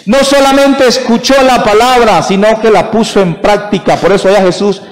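A man's voice: high voice, steady tone, moderate pace. A man preaching a sermon at Mass as a priest, emphatic, asking the congregation questions and answering them himself. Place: church. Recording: long church reverb.

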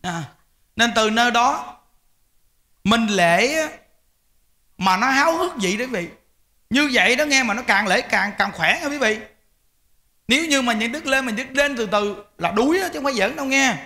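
A man's voice: very high-pitched, animated, moderate pace, long pauses, bright, forceful tone. A man, a Buddhist monk, giving an informal, emphatic dharma talk to lay followers. He repeats words and often speaks to his listeners directly.

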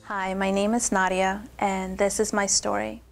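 A young adult woman from Peru telling her personal testimony in a steady, earnest way. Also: medium pitch, moderate pace, vocal fry, over loud music. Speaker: testimony speaker.

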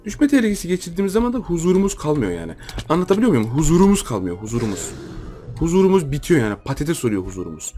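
A man's voice: a little high, big pitch swings, rapid-fire, warm tone, slight background noise. A young man with a Turkish accent giving playful, teasing live commentary over his own gameplay, often repeating his phrases. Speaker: gaming YouTuber.

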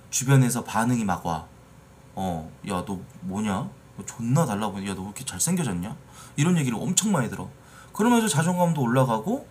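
Man in his late thirties, live-stream chat, blunt and teasing, lively swinging pitch, faint room noise. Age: 30s. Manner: blunt, teasing, swears at viewers. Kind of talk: casual live-stream chat reacting to videos. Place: small room in front of a green screen.

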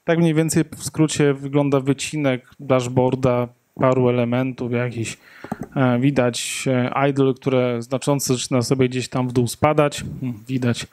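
A man in his thirties speaks at a tech meetup in a conference room, holding a handheld mic. His voice sits at medium pitch with a flat, somewhat mellow delivery and a measured pace, and he hesitates often, filling gaps with fillers and joking asides.

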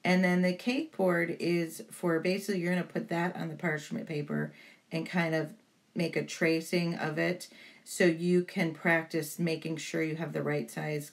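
Low-pitched woman with creaky voice, chatty tutorial. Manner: chatty, encouraging to beginners. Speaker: baking tutorial host. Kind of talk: informal step-by-step tutorial voice-over.

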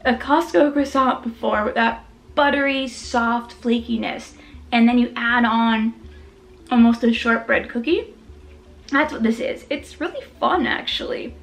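A food vlogger hosts a mukbang, chatting casually about desserts as she chews and tastes. Her voice is a little high and a little slow, and her manner is chatty and self-deprecating, talking right through her chewing.

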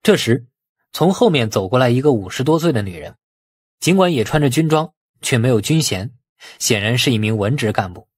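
A male audiobook narrator reads a scripted story in a husky voice. His pitch moves around in a lively way, and the recording is dry and close. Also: brisk, no echo.

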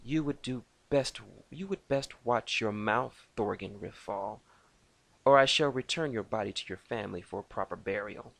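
Brief: a man playing an icy female elf sniper, clipped and formal, gravelly edge. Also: lowish voice, moderate pace, fairly bright tone. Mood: cold.

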